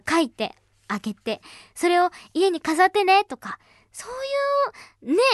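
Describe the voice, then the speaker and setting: A woman with a very high, lively voice hosts a casual radio show, reading listener mail and chatting in a bubbly way with frequent laughs. Her voice swoops up and down. The sound is dry and close, with no room echo.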